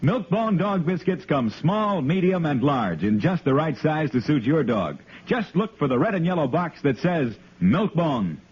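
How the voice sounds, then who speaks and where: A man announcing a 1950s radio show and reading its ad in a smooth, persuasive way. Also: on the high side, big pitch swings, unhurried, few pauses, a little hiss or hum. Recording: dull old radio broadcast recording.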